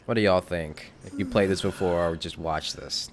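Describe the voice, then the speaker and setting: A man's voice: sits low, steady tone, normal speed. Laid-back man streaming a game. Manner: laid-back, laughs often, answers chat. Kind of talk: casual live-stream commentary.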